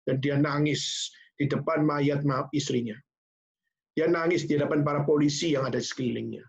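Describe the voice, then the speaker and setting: A male pastor tells a sermon story with animated energy and speaks directly to the congregation. His voice sits a bit high. The recording sounds slightly dull and muffled. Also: normal speed, gravelly.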